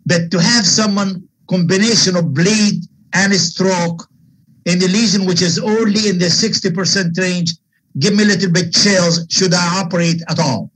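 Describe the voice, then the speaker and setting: Older man, high voice, Arab American accent, husky, emphatic, webinar expert answering questions. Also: normal speed, fairly bright tone, poor audio. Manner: emphatic, opinionated. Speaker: guest lecturer, vascular surgeon.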